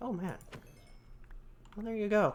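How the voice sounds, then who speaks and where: Male speech with ordinary pitch variation, very cleanly recorded against a silent background. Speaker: gaming YouTuber. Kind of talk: casual gameplay commentary.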